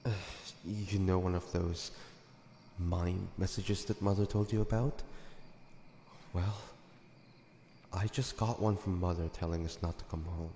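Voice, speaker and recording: A man playing a gentle, protective demon older brother in an audio drama, coaxing and reassuring as he talks. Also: sits low, fairly even intonation, a little slow. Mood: urgent, protective. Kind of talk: dramatic audio roleplay acting. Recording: echoey, long reverb, faint noise.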